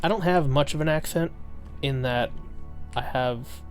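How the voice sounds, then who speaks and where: A man with a lisp giving excitable, self-mocking commentary while streaming a game, swearing now and then. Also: a little high, measured pace, faint music behind. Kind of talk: casual gameplay commentary.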